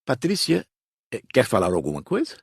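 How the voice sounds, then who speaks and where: A Brazilian man playing a patient spirit teacher in an audiobook, explaining in a measured, didactic way. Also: mid-range voice, huge pitch swings, gravelly, husky, no room sound, clean studio sound, heavily acted. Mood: calm, instructive. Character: patient male spirit teacher instructing his students. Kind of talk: audiobook dramatized reading.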